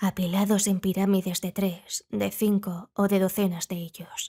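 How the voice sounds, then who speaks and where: A woman at a medium pitch speaks in a monotone, flat way with a dark, mellow tone. The recording is very clean and silent behind her, dry and close with no echo. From southern Spain. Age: 20s. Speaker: voice actor. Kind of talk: audiobook narration.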